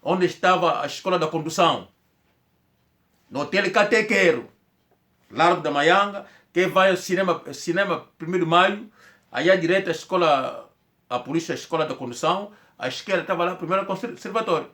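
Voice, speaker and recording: Man, slightly high voice, casual rambling storyteller who repeats himself and acts out what people said. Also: brisk, bright, forceful tone. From Angola. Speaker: commentator telling a personal story.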